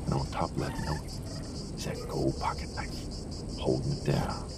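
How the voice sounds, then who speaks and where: A man's voice: a bass voice, level tone, moderate pace. A man playing a folksy storyteller with a Southern US accent, spinning spooky family tales in an audio drama. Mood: ominous storytelling. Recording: noisy, with outdoor-like ambience.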